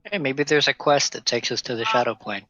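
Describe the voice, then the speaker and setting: A man's voice: medium pitch, fairly quick, pushed and bright, a little hiss or hum. A man player joking and teasing in casual chat during an online tabletop game, heard through a dull, lo-fi home microphone.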